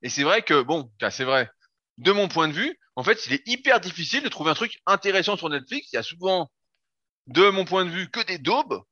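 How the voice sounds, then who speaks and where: Fast-talking blunt man, bright voice. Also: sits high, very animated, dry recording. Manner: blunt, opinionated, grumbling. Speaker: podcast co-host. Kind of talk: casual chat. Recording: dry, dull lo-fi sound.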